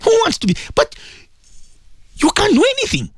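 A man's voice: extremely high pitch, huge pitch swings, moderate pace, no echo. A middle-aged man hosting a religious radio show, talking to listeners in an emotional, pleading way and often repeating himself.

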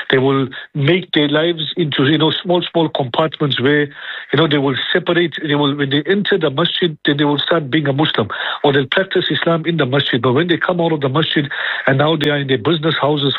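An Islamic preacher with a mid-range, breathy-edged voice delivers a religious lecture, repeating himself, listing point after point and posing rhetorical questions. The recording is dry and comes over a tinny, phone-like radio line.

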